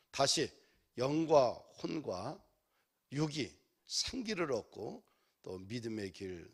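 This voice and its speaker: A man's voice: medium pitch, vocal fry, husky. A male pastor preaching a sermon in a church, building to emphatic exhortations.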